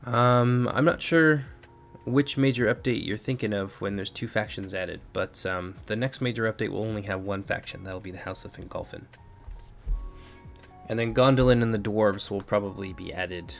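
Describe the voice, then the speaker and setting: A man with a stuffy, congested voice giving relaxed live commentary on a strategy game while answering chat. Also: fairly low pitch, moderate pace, creaky, soft background music. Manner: relaxed, thinking aloud with fillers. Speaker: game streamer and mod developer. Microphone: headphones with mic at a computer.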